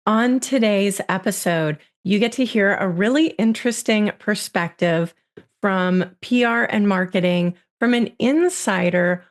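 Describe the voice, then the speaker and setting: A woman hosts a business podcast with an upbeat delivery. Her voice sits at a middle pitch as she reads a scripted intro and guest bio, then moves into the interview. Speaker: podcast host.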